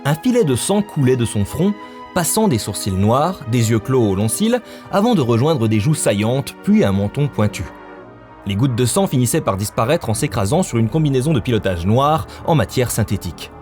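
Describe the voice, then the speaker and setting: A man's voice: mid-range voice, sing-song, normal speed, a little mellow. Man narrating a dramatic story over music.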